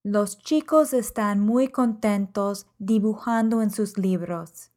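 A woman teaching a language podcast lesson at a slow, unhurried pace. Her voice sits at an ordinary middle pitch, and she reads each example sentence in clear, measured phrases. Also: a little mellow.

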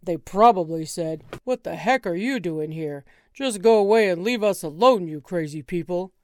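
A woman's voice: lowish voice, lively intonation, normal speed, a little mellow, lightly acted. A woman voicing a nervous, complaining middle-aged husband who wants to go home. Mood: fretful. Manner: whiny, complaining, reluctant.

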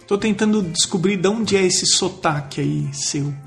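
A man's voice: sits high, normal speed, vocal fry, fairly bright tone, faint music behind. A man with a Brazilian accent hosting a podcast, speaking in a conversational interview style. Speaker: podcast host.

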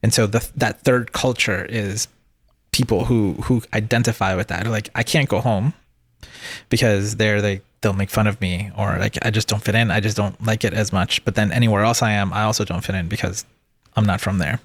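A man with a fairly low voice talks through an idea in a halting, thoughtful way, restarting his sentences often. The sound is dry and close, with no room around it. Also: fairly even intonation, husky, no echo. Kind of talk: casual chat about a show.

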